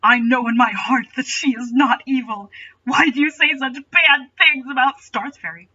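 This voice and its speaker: A woman's voice: sits high, moderate pace, bright, forceful tone. A woman voicing a lovestruck, overwrought young male elf, anguished and demanding, in a comic fan fiction reading. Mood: stern. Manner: overwrought, theatrical. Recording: dull, distant home microphone.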